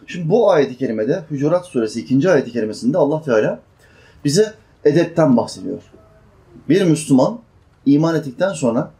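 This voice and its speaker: A man's voice: a little high, dark tone. A man preaching a sermon, explaining Quran verses and asking his listeners questions. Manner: chants Quranic verses slowly, then explains in plain speech; asks the listeners questions and answers them.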